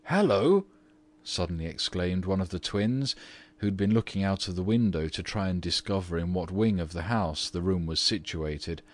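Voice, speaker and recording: A man narrating a classic story in a measured, even reading voice. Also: sits low.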